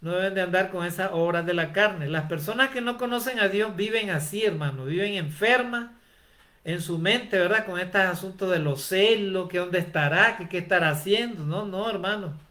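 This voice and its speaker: Bright-voiced man preaching a sermon. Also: high voice, normal speed. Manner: rhetorical questions with frequent tag "¿verdad?", addresses listeners as brother.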